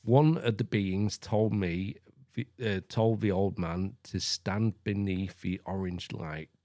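Reading a story aloud on his podcast, this man keeps interrupting with swearing, blunt remarks. He speaks slowly in a low, warm voice with fairly even intonation, and the studio recording is clean and dry.

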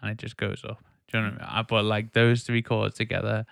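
A man's voice: fairly low pitch, level tone, quick pace, vocal fry, a bit bright, clean tone, no echo, clean studio sound. A man hosting a podcast, chatting informally about music in a rambling way and often checking for agreement. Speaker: podcast host. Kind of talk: casual music discussion chat.

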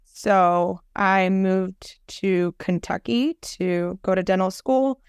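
A woman's voice: medium pitch, slow pace, clear, resonant tone, no echo, studio quality. A woman in her twenties from the Chicago area, a dental student chatting about her interview. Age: 20s. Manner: chatty, many fillers and restarts. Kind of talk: casual interview answers.

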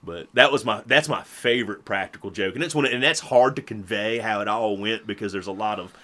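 A man's voice: fairly low pitch, fairly quick, sharp tone. A man, telling funny stories on a podcast and laughing often. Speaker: podcast co-host. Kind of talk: casual storytelling chat.

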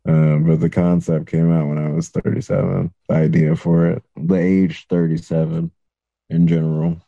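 A man's voice: low voice, flat delivery, normal speed, gravelly, dark tone, no echo, lo-fi sound. A man in his late thirties, a comedian guest, talking loosely and joking, with casual swearing. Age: 30s. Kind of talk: casual interview chat.

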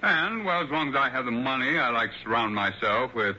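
A man's voice: medium pitch, a little fast, bright, forceful tone, a little hiss or hum. An actor playing a wealthy male mystery author in his late fifties, gushing and hesitant with fillers, in a 1960s radio drama. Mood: brooding. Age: 50s. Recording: dull lo-fi old radio broadcast.

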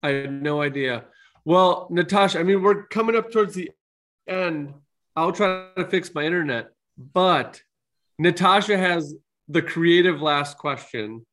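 A man's voice: a little high, measured pace, fairly bright tone. A man co-hosting a casual interview over a video call, his audio glitching and cutting out on a poor connection. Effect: glitchy audio cutting out over a weak internet connection. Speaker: podcast co-host and builder.

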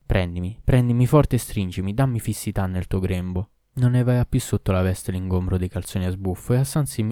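A man narrating a classic tale in a steady storytelling reading. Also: deep voice, no echo, clean studio sound. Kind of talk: audiobook reading.

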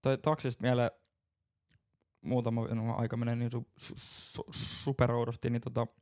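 A man's voice: medium pitch, flat delivery, a little mellow. A man co-hosting a casual podcast chat, telling rambling stories and laughing often. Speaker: podcast co-host.

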